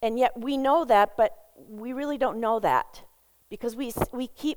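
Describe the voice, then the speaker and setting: A woman speaks at a fairly slow pace in a high voice. Her tone is animated, with ordinary pitch variation. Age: 50s. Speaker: pastor's wife / church speaker. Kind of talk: sermon. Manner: animated, repetitive emphasis.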